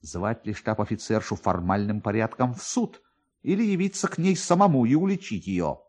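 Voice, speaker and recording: A man's voice: lowish voice, lively intonation, normal speed, darkish tone. A man narrating a classic story in a theatrical, dramatised radio reading style.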